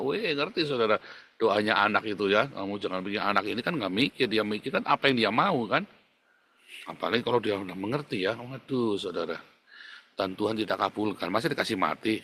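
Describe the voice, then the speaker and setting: Bright-voiced preaching man. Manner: emphatic preaching, rising to loud outbursts and dropping low; addresses listeners as "saudara". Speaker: pastor. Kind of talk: sermon.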